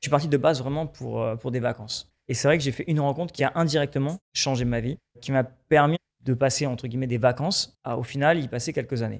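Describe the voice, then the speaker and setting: A man talks at a medium pitch. His pace is very fast. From Paris suburbs, France; France. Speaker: entrepreneur and investor; guest. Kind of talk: interview. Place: studio. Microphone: studio mic.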